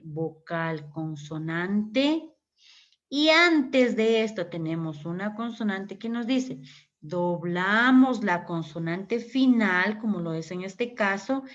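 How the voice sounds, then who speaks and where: A woman from Ecuador teaching English grammar to a class, patiently repeating words and checking that students follow. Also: lowish voice. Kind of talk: online class explanation. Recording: muffled lo-fi audio.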